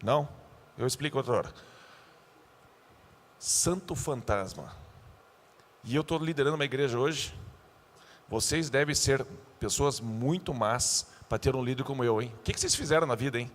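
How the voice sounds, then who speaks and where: A male pastor giving a youth sermon, animated and joking, acting out the scenes he tells. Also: mid-range voice, normal speed, pauses often, big-room sound.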